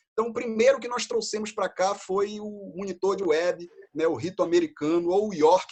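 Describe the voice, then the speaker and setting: This man speaks with a Brazilian accent. His pace is moderate. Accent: non-Maranhão Brazilian. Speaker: freemason lecturer. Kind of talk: online talk on Masonic rites. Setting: live stream.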